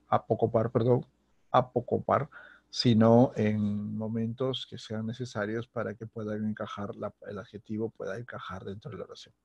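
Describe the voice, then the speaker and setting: A man's voice: medium pitch, darkish tone, husky, no echo, highs cut off. A Peruvian man teaching a recorded grammar lesson, who keeps checking in with the student and restarts his phrases often. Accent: Peruvian Spanish. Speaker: secondary school teacher.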